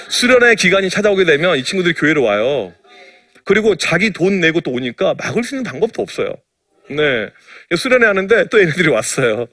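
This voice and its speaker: Middle-aged pastor telling funny stories. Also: male voice, high voice, a bit bright, dry recording, clean studio sound. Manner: playful, self-mocking, anecdotal. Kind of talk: humorous sermon storytelling.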